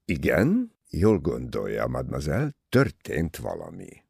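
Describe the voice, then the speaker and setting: A man voicing a small, courteous Belgian detective in an audiobook, measured, polite and probing. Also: lowish voice, huge pitch swings, gravelly, darkish tone, husky, dry recording, studio quality, pitched above the performer's own voice, heavily acted. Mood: polite, grave.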